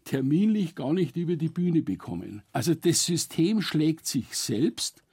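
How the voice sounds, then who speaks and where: Brief: middle-aged male volunteer, raspy and dark-toned, plain-spoken critic, dry close mic. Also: on the high side, animated, measured pace, no echo. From Germany. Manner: blunt and critical, stumbles and corrects himself. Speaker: longtime refugee volunteer, studio guest. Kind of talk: studio radio discussion. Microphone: studio microphone.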